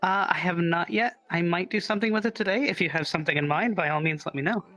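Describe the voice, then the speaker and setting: A roleplay player acting as the town cook, thinking aloud in a hesitant, musing way with many pauses. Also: medium pitch, a bit bright, soft background music. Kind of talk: casual in-character roleplay chat.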